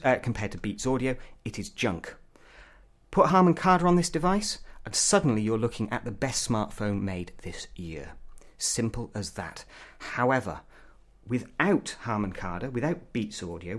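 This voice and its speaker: A man giving an opinionated, blunt product review as a tech reviewer. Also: mid-range voice.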